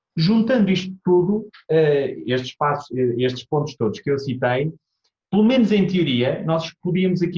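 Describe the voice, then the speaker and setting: At a fairly slow pace, a man speaks with a European Portuguese accent. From Portugal. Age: 30s. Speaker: podcast host on real estate investment. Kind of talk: interview.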